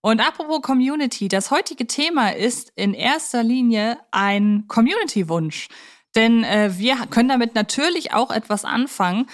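A woman's voice: fairly high pitch, expressive, normal speed. A woman hosting a podcast in a conversational style, explaining things at chatty length. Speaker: podcast host; film journalist.

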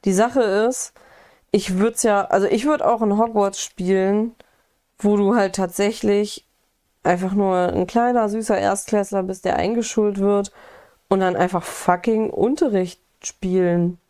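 Woman, mellow mid-range voice, loose and eager gaming chat. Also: medium pitch, fairly even intonation, measured pace. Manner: chatty, enthusiastic, swears casually.

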